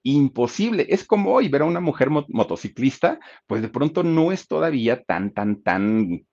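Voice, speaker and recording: A man with a Mexican accent narrating a story in a casual, animated way, often asking rhetorical questions. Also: mid-range voice, normal speed, lo-fi sound. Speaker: storyteller host.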